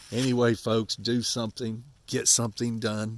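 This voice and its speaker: A man with an American accent talks at a fairly slow pace in a medium pitch. His intonation stays monotone and flat. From California and Oregon. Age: 50s. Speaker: vlogger, homesteader. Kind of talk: casual monologue to camera. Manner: folksy, repetitive.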